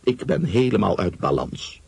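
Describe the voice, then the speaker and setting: A male reader voicing an older gentleman who speaks laconically and drily. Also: on the low side, very animated, normal speed, creaky, husky, no echo, exaggerated voice. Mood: dry. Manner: laconic, dry. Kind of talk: audiobook reading.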